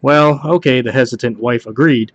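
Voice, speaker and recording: A man reads jokes aloud in a casual, homemade style. His voice sits at an average pitch, and he trips on the wording now and then, going back to reread a line. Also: normal speed, no echo, lo-fi sound. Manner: stumbles over the text and rereads lines. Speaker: joke reader hosting a home video.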